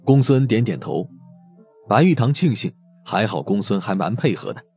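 Expressive male story narrator over music. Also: lowish voice, moderate pace, creaky. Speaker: audiobook narrator. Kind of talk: scripted dramatic story narration. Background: background music.

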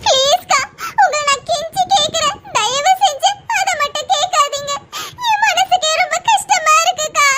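A woman's voice: extremely high pitch, normal speed, background noise. A woman voicing a timid, tearful pregnant teenage girl in a cartoon, begging and pleading. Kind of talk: cartoon voice acting.

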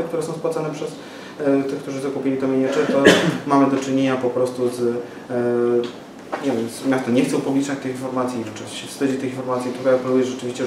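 Man, 40s, halting press statement, flat delivery, roomy distant recording. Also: medium pitch. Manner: hesitant, many fillers and restarts. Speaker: local party activist at press conference. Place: small office room with window. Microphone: far camera mic. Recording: echoey room from far off, noisy.

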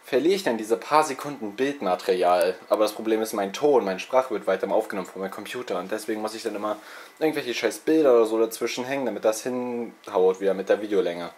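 A man's voice: on the low side, fast, darkish tone. A young man hosting a gaming channel, chatting loosely and self-mockingly with lots of fillers, a little congested from a cold, recorded on a handheld camera in his bedroom. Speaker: let's play channel host. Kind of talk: casual rambling info vlog. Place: bedroom with TV and consoles, indoors. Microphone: handheld video camera's built-in mic.

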